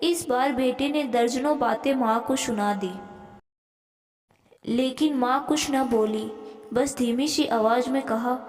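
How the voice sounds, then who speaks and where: Woman storyteller, high voice, steady narration, echoey room. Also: slow pace. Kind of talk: scripted narration. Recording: echoey room with long reverb.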